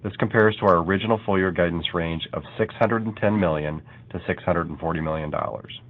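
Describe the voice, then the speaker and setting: A man working as a finance executive, reading a scripted financial report in a formal, measured manner. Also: low voice. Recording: phone-like conference call audio.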